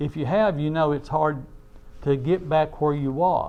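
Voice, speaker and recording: This man speaks at a fairly slow pace with a fairly high pitch and fairly even intonation. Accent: East Tennessee. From US South (Kingsport, East Tennessee). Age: 70s. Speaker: disaster relief volunteer leader. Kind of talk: talk to a civic club.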